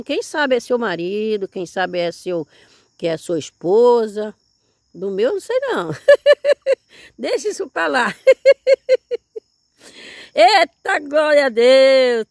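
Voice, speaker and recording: A woman's voice: fairly high pitch, a little mellow, dry recording. A woman, chatting folksily while tending her garden outdoors. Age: 70s. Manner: chatty, folksy, keeps saying "look here", religious exclamations. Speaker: grandmother gardening vlogger. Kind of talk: casual chat while tending plants.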